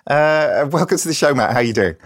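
Male presenter, English accent from East Anglia, informal and chatty, very varied pitch, for hosting a panel podcast. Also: animated, a little fast, dry recording, clean studio sound. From England. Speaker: podcast host.

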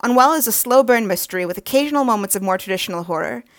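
A woman's voice: mid-range voice, animated, racing. A woman reading scripted promotional narration as a podcast writer. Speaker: podcast writer introducing a show.

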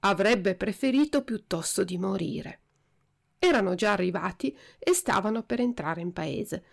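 A woman narrating a storybook with an expressive, steady delivery. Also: medium pitch, creaky. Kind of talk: storybook reading.

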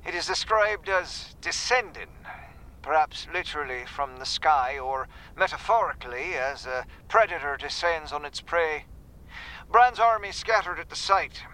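Scholarly man reading translation notes, measured and academic, bright and crisp , played by a man. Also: on the high side, lively intonation, rough recording. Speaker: translator's commentary reader. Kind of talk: document reading in audio drama.

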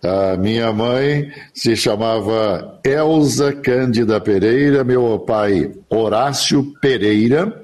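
An older man from the interior of São Paulo, a radio announcer telling his life story in a relaxed, chatty interview over a remote link. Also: medium pitch, slow, hardly any pauses. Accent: Brazilian Portuguese, São Paulo interior. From interior of São Paulo state, Brazil. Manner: chatty, laughs easily, rambling anecdotes. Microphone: remote online recording.

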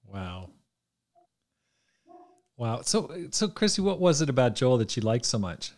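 A man's voice: mid-range voice, very animated, measured pace, a little mellow. A man hosting an interview, asking friendly, curious questions and laughing along with his guests. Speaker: podcast host, interviewer.

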